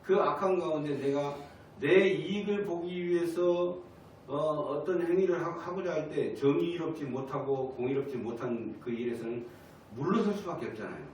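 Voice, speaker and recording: A man's voice: on the high side, moderate pace, a little mellow, slight background noise. A male pastor preaching a Sunday sermon and questioning the congregation. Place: church sanctuary. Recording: echoey church hall from a distance.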